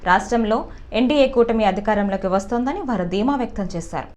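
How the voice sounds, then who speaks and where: A woman's voice: mid-range voice, fast talker, a little mellow. A woman reading scripted news narration as a voice-over.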